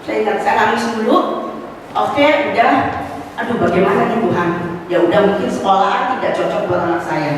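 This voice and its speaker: Speaking from a distance in a reverberant church hall, a middle-aged woman with a slight cough gives her testimony to the fellowship. Her medium-pitched delivery is brisk and animated, rising into exclamations and sprinkled with slang, casual asides and English words. A little background noise is present.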